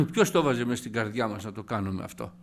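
A man's voice: on the low side, animated, sharp tone. A man preaching an informal sermon, retelling scripture stories with many asides and the odd cough, addressing his listeners as brothers.

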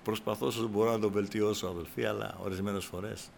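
A man preaching a sermon to his congregation, breaking into loud cries and then dropping back to a low, quiet voice. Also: fairly even intonation, gravelly, a little hiss or hum. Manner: shouts in bursts, then drops to a low, quiet tone; addresses the congregation as brothers.

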